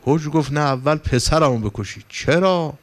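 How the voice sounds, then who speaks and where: A male cleric preaching a sermon in Persian, telling stories with passion and rising to emphatic, pleading points. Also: a little high. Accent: Persian, from Iran. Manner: impassioned storytelling, rising for emphasis. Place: religious gathering hall.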